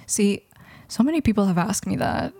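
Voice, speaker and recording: A woman's voice: mid-range voice, animated, normal speed, dark tone, dry recording, clean studio sound. A woman of twenty, raised in Mexico with Russian as her first language, talking thoughtfully in a casual interview with many restarts. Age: 20s. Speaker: guest.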